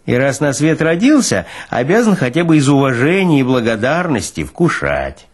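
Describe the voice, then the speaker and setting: A man's voice: mid-range voice, very animated, moderate pace. A man voicing a folksy, philosophizing morgue orderly in a dramatized literary reading, insistent and colloquial in his exclamations. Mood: exuberant, preaching.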